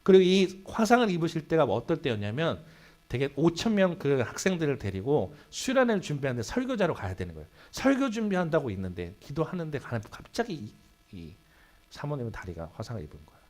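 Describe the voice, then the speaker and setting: A man preaching a Sunday sermon in a church, telling a story with sudden swings between loud and hushed delivery. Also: on the high side, sing-song, fast talker. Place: church sanctuary.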